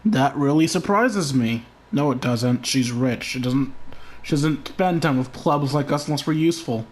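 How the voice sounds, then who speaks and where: A woman's voice: very deep voice, normal speed, a little mellow, a little hiss or hum. A woman streamer making sarcastic, playful asides over a game. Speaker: gameplay streamer. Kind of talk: joking commentary over gameplay.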